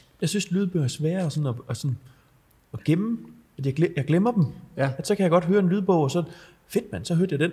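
A man with a high pitch and a dark, mellow tone talks fairly quickly with lively intonation, broken by long, frequent pauses. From Denmark, Jutland (Vejle). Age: young. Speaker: city centre manager. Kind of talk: casual chat.

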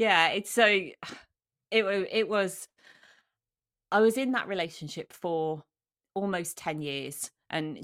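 Heard in a dry, close recording with no echo, a woman with a Welsh accent speaks with ordinary pitch variation. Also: very clean recording, silent background. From Wales. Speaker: life coach and author. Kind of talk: interview conversation.

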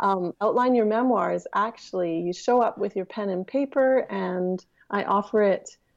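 In a Canadian accent, a woman with a normal speaking voice talks fairly slowly at a medium pitch. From Canada, Yukon. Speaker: creativity and memoir writing teacher. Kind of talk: interview; guided meditation.

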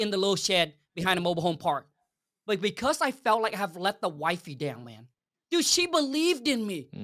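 A man with a Vietnamese accent, high-pitched and bright and sharp in tone, animated, with very wide pitch swings and a fairly quick pace. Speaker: real estate wholesaler. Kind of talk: interview.

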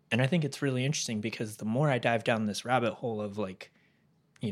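Heard on a very clean recording with a silent background, a man with a plain, everyday voice talks at medium pitch with ordinary pitch variation. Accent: American. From California. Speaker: podcast host and filmmaker. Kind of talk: casual chat.

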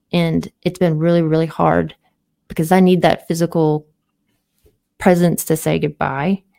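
A woman with a Southern US accent speaks in a dark, mellow tone with monotone, flat intonation and long, frequent pauses, the sound dry and close with no echo. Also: fairly low pitch for a woman, moderate pace. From US South. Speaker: podcaster. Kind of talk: casual chat. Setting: video call.

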